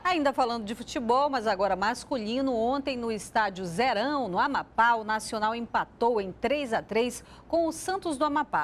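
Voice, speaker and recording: A woman anchoring a TV newscast, reading the news in a measured, formal way. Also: fairly high pitch, slight background noise.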